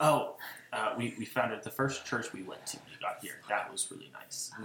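Over noticeable background noise, a man delivers his words very fast. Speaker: podcast host. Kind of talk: casual chat.

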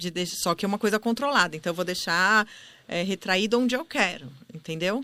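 In a very clean recording with a silent background, a woman uses a normal speaking voice at a medium pitch with lively intonation. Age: 40s. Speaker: plastic surgeon. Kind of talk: interview.

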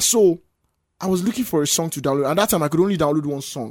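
With a Nigerian accent, a man speaks with lively intonation. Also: very clean recording, silent background. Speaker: podcast host. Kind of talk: casual podcast conversation.

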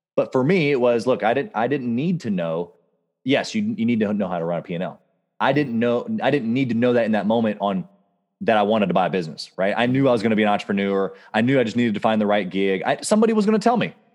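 Over a quiet background, a man speaks at a very fast pace and medium pitch with lively intonation. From United States. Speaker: entrepreneur. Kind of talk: interview. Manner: halting, many fillers.

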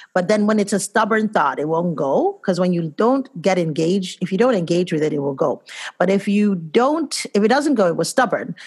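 Hardly pausing at all, this speaker goes at a fairly quick pace with a Nigerian accent. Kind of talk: interview.

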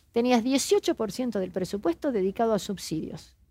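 A woman with a Cordoban Argentine accent at a fairly slow pace, in a dry, close sound with no echo and a very clean recording with a silent background. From Argentina, Córdoba. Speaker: economist. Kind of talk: interview.

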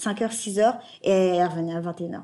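A woman is speaking. She has an unremarkable speaking voice. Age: 30s. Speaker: podcast co-host. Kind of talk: casual chat.

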